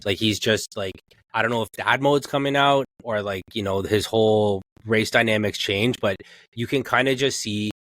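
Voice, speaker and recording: A man with a fairly low voice talks casually as a podcast co-host. He rambles in everyday language and acts out little quotes, recorded close and dry. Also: normal speed, fairly bright tone, no room sound. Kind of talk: casual sports chat.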